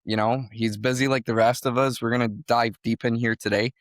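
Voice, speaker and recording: A man's voice: medium pitch, steady tone, brisk, no echo, clean studio sound. Upbeat man hosting a podcast. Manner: upbeat, enthusiastic, chatty. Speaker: podcast host. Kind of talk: casual podcast interview.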